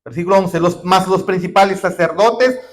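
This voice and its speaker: A man preaching a sermon, emphatic and rising to shouted declarations, often calling listeners brother. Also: high-pitched, normal speed.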